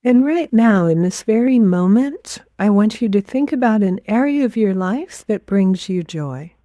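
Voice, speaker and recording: A woman leading a guided meditation as a teacher, giving gentle, unhurried instructions with pauses. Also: medium pitch, expressive, dry recording, clean studio sound.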